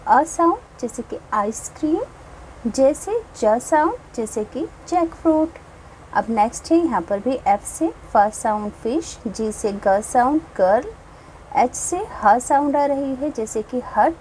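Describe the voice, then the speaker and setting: Slow, patient woman teacher. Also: a little high, darkish tone, a little hiss or hum, low-quality recording. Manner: slow, patient, repeats each English line with its meaning. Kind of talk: explaining a class 1 English textbook.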